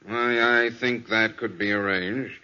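Bright-voiced, courteous store owner. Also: male voice, lowish voice, steady tone, slow pace, clear, resonant tone, full character voice. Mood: polite, cautioning. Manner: formal, precise, polite. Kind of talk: 1940s radio crime drama acting. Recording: dull vintage 1940s radio recording.

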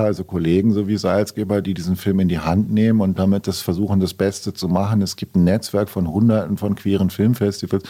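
A man's voice: on the low side, dark tone. A man in his sixties, a film distributor answering interview questions bluntly, with many hesitations.

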